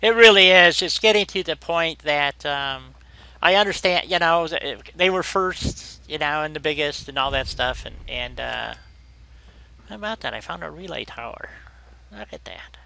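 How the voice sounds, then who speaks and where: Bright, forceful man chatting while gaming. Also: on the high side, moderate pace, vocal fry, rough recording. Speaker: live game streamer. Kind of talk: casual chat while playing a video game.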